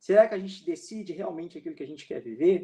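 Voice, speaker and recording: Intonation stays fairly even across the speech. The tone is dark and mellow, delivered at a fairly quick pace. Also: man. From Brazil, Belo Horizonte (Minas Gerais). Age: 30s. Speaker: lawyer, co-host. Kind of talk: live online talk. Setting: video livestream.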